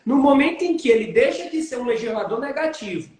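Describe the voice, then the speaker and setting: A man, a lawyer and interview guest, explaining legal points in a measured way and posing rhetorical questions to himself. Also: very high voice, very animated, darkish tone. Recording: very echoey room.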